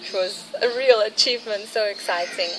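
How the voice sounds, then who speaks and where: A woman talks fairly slowly, with noticeable background noise behind her. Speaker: travel vlogger. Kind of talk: casual vlog chat. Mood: cheerful, curious. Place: open country. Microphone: phone near.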